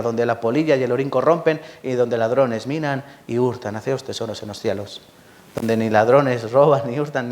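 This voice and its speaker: A man from Spain with a Spanish accent, preaching a lively Sunday sermon in church, repeating words for emphasis and often asking the congregation questions. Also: mid-range voice. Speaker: pastor.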